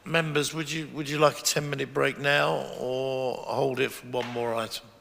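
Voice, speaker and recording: Hoarse man chairing a council meeting. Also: mid-range voice, flat delivery, normal speed, fairly bright tone, slight background noise. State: hoarse, voice breaking up. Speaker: committee chair. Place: council chamber. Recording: reverberant chamber webcast.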